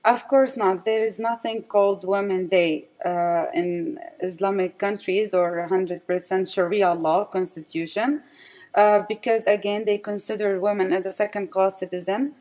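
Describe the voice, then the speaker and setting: A woman from the West Bank, raised in Saudi Arabia, with an Arabic accent, giving personal testimony as an interview guest in halting non-native English, searching for words. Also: medium pitch, fairly even intonation, darkish tone.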